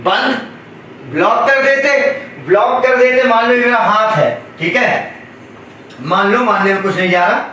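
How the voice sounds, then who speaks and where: A man lectures a biology class, calling the students "beta" and repeatedly asking them questions to answer. His high voice sounds pushed and bright. Recorded from far off in an echoey classroom, it carries a little hiss or hum.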